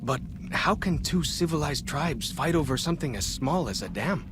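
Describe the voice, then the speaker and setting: A man playing a young, earnest tribal scout and guide in a video game, plain-spoken with simple, slightly halting phrasing. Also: on the high side, lively intonation, background noise, lightly acted. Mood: helpful, earnest. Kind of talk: video game cutscene dialogue.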